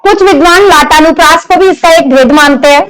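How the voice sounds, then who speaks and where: A woman's voice: very high voice, a little fast, fairly bright tone, poor audio. A woman teacher giving a classroom lecture on grammar, explaining step by step, repeating examples and putting questions to her students.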